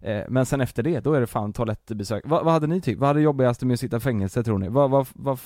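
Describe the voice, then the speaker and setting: A man's voice: medium pitch, darkish tone, no room sound, clean studio sound. A man in casual podcast chat, blunt and joking, swearing freely.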